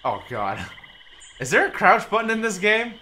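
A young man playing a survival game, joking and swearing, with sudden loud outbursts. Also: sits high, very animated, normal speed, a little hiss or hum. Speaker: gaming YouTuber. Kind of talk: let's play commentary.

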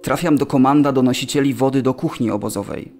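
An actor reading as a Polish prisoner who works as a camp orderly, measured and matter-of-fact, in an audio drama. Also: male voice, medium pitch, mellow, natural voice. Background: music.

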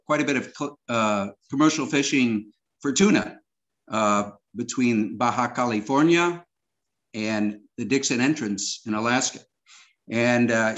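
A man in his sixties reading a poem over a video call from a wood-paneled room at home, slow and halting with many fillers. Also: medium pitch, fairly bright tone. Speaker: poet and musician. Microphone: video call webcam.

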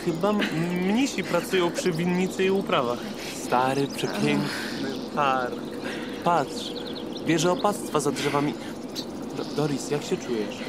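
A man's voice: a little high, unhurried, close to an everyday voice. An actor as an eager, lighter-voiced male traveller. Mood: delighted, then concerned. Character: eager, questioning, caring man space traveller. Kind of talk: radio play acting. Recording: very noisy outdoor and vehicle ambience.

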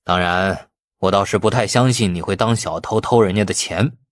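A man's voice: low-pitched, moderate pace, no room sound, clean studio sound, close to an everyday voice. A man voicing a stern middle-aged police chief in an audiobook, questioning with patient, insinuating manner. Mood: probing, measured.

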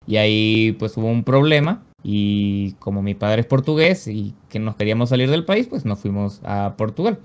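A Venezuelan man in his mid-twenties talks over a headset on a video call from a small home streaming room. His storytelling is relaxed and rambling, and he leans on fillers like "básicamente" and "o sea.". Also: on the low side, normal speed, few pauses, smooth. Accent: Venezuelan Spanish. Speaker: guest, esports caster and pro player.

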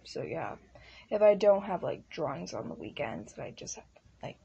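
A woman's voice: lowish voice, very animated, normal speed, vocal fry, mellow, husky, poor audio. A woman video creator talking casually to her viewers, offhand and self-deprecating.

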